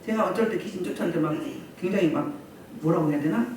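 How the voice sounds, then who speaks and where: A woman pastor preaching a sermon at a healing service, telling the story with lively voices for the crowds she describes. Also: lowish voice, quick pace, a little hiss or hum. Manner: animated, acts out crowds and quotes. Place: church meeting room. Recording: echoey hall, distant mic.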